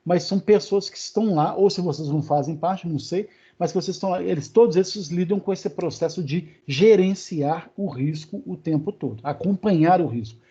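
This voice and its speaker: A man's voice: high-pitched, brisk, few pauses, dark tone, husky. A man with a Brazilian Portuguese accent giving a live online lecture, talking casually with many fillers and check-ins with his students. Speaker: university lecturer. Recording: dull, lo-fi online class audio.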